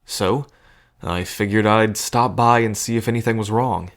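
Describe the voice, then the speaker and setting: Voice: medium pitch, steady tone, normal speed, natural voice. A performer acting a protective, stubborn friend in an audio drama, speaking firmly with dry sarcasm and care. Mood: concerned, wry. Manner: firm, sarcastic, caring.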